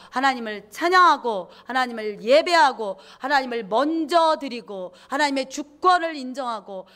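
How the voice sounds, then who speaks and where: A woman pastor delivers a sermon with a fairly high voice. She is animated, acting out inner thoughts and hammering home her points with repeated words.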